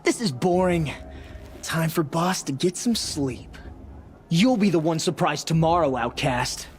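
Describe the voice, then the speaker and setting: An actor playing an arrogant young tribal bully in a video game, boastful and taunting. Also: male voice, fairly high pitch, expressive, a little slow. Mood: sneering. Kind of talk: video game cutscene acting.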